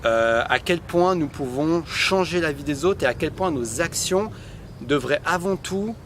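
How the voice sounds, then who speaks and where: A man giving an improvised, relaxed talk to camera, with frequent hesitations. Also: on the high side, a little slow, slight background noise. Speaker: personal development vlogger.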